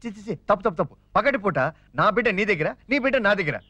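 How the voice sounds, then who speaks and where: An actor playing a fast-talking, scheming young father who pleads and teases his friend in a comic film scene. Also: high voice, animated, sharp tone, dry recording, lo-fi sound, full character voice. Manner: rapid, jokey, wheedling. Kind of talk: 1990s Telugu film acting.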